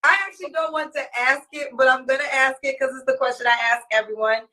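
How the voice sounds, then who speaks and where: A woman hosts a casual interview, teasing her guest and pressing for answers. Her voice sits high and bright. She sounds a little away from the mic. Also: quick pace, far from the mic. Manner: teasing, probing questions. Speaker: podcast host.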